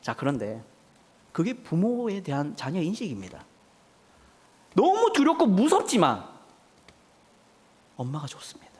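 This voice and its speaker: A man's voice: sits high, huge pitch swings, measured pace, long pauses, breathy edge, big-room sound. A man preaching a sermon, asking the congregation rhetorical questions and acting out a child crying for his parents.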